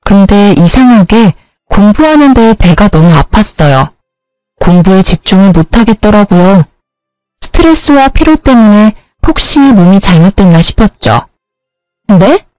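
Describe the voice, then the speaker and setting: A woman narrating her own story in a calm, confiding way. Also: mid-range voice, normal speed, dry recording, soft background music, poor audio. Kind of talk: first-person story narration.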